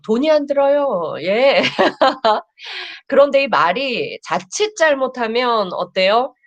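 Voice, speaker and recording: A middle-aged woman counselor giving a live-streamed lecture to viewers, warmly reading their chat messages aloud. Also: mid-range voice, lo-fi sound.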